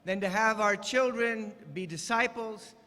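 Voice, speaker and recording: An older man preaching as a visiting elder, his voice high and bright. He talks in short, measured phrases and leaves room for translation, and a long church-hall reverb follows each line. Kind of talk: guest sermon with live interpreter. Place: church sanctuary.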